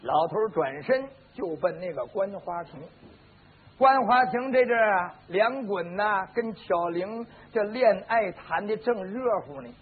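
A man's voice: sits high, lively intonation, unhurried, slightly rough. A male storyteller narrating a traditional tale vividly and dramatically, with his own sound effects, on a lo-fi recording. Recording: lo-fi phone-like band with faint hiss.

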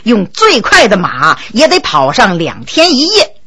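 A woman voicing a bold, blunt low-ranking male county magistrate who talks in a cool, sly, deliberate way. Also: huge pitch swings, a bit bright, slightly rough, exaggerated voice.

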